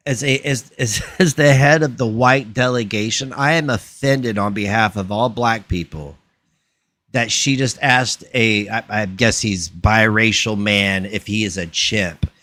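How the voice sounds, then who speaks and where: A man's voice: on the low side, measured pace, pushed and bright, no echo. A man in a heated live stream debate, sarcastic and mocking, swearing freely.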